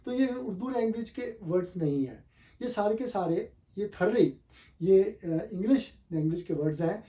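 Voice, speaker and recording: Animated and mellow, this man speaks at normal speed in a high voice, teaching English pronunciation classroom-style. His accent is Urdu-speaking South Asian, and he repeats and stresses correct forms while spelling words out letter by letter.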